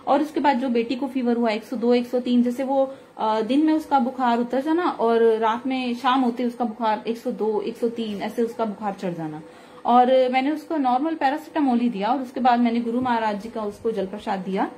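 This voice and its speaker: A woman in her thirties with a slightly hoarse throat, telling a devotional testimony in an earnest, chatty way with many fillers, recorded at home on a phone close to her face. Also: on the high side, moderate pace, mellow, slight background noise. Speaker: satsang speaker. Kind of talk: devotional singing then testimony talk.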